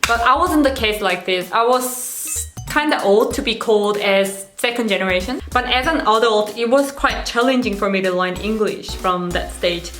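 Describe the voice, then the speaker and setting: A woman's voice: mid-range voice, normal speed, few pauses, fairly bright tone, soft background music. Woman, Korean accent, twenties, casual self-deprecating vlog chat, echoey room. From South Korea. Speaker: vlogger.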